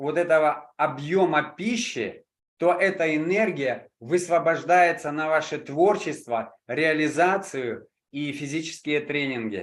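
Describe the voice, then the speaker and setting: At a very slow pace, a man talks in a fairly high pitch with ordinary pitch variation. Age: 60s. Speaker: speaker on breatharian autonomy. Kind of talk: talk via interpreter. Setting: video call.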